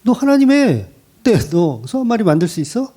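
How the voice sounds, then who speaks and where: A man voicing God as a stern, mocking figure who scolds a proud man with sharp, taunting questions. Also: a little high, expressive, moderate pace.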